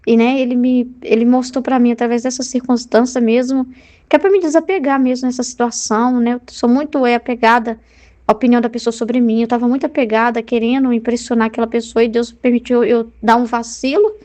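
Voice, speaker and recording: A woman with a Brazilian Portuguese accent leading a Catholic study group in an earnest, conversational way. Her voice sits slightly high, and she keeps checking in with her listeners as she teaches. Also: steady tone, brisk, mellow. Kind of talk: spoken spiritual teaching.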